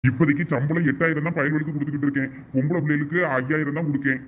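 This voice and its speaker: A man's voice: on the high side, steady tone, racing, phone-quality sound, a little hiss or hum. A man with a Thoothukudi Tamil accent playing a shopkeeper, friendly and chatty.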